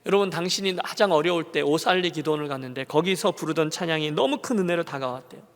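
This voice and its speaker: Male pastor, high-ish voice, emotive storytelling sermon, reverberant sanctuary sound. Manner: emotive storytelling, acting out quoted prayers and God's soft replies; drops to hushed slow lines for quotes. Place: church sanctuary. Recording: long church-hall reverb.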